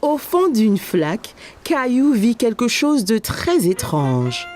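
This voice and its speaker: A kindly cartoon storyteller. She narrates slowly and gently with highly animated intonation, as if reading a picture book, over faint music. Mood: gentle storytelling. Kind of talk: scripted children's story narration.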